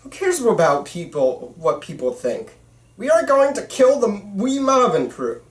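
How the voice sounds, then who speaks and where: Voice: mid-range voice, big pitch swings, a little slow. A performer playing a bitter, intense teenage boy filmmaker in an amateur script read, recorded at a distance in a roomy space. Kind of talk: amateur screenplay table read.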